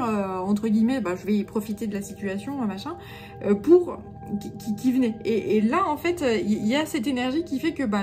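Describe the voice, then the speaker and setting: A woman with a Jura accent giving an unscripted channeled guidance reading, halting with many fillers and restarts and given to self-mocking humor. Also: fairly high pitch, darkish tone. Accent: Jura French. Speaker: spiritual channeler.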